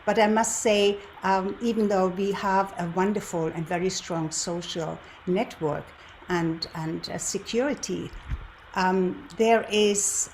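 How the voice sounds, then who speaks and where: Female host, 70s, native German with German accent, medium pitch, addresses viewers directly and deliberately, slightly noisy recording. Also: darkish tone. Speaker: show host, lifestyle and relationship coach. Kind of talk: presenter's introduction and personal storytelling to viewers.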